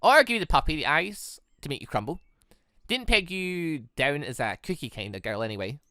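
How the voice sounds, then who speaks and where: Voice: medium pitch, sing-song, moderate pace, pushed and bright, no echo, studio quality. Someone voicing a brash, teasing young woman. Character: bold, teasing young woman, playful best friend.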